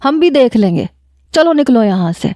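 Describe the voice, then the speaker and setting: A woman's voice: on the high side, very animated, dark tone, no room sound, studio quality, pitched above the performer's own voice. A woman voicing a hot-tempered older father who scolds and commands. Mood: scolding.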